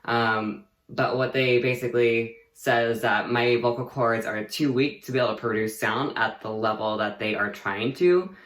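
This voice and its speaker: A man's voice: medium pitch, a bit bright. Chatty young man in an echoey room. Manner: chatty, rambling, many "like" and "um" fillers, laughs easily. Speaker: vlogger. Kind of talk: casual personal update to camera.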